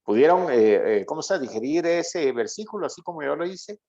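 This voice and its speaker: A man's voice: on the high side, animated, fairly quick, mellow. A man teaching a Bible class, reading verses aloud and often checking that his listeners follow along. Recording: dull lo-fi sound.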